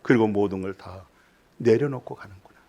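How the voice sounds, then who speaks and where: A male pastor preaching a sermon in church. He fires rhetorical questions at the congregation and swings between loud exclamations and hushed, whispered asides. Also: lowish voice, normal speed, highs cut off.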